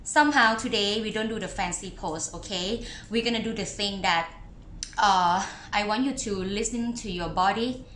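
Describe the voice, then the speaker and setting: A woman in her thirties, a yoga teacher, chatting casually and unhurriedly to her class on a live stream, with pauses. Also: medium pitch, a bit bright, roomy sound, a little hiss or hum. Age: 30s.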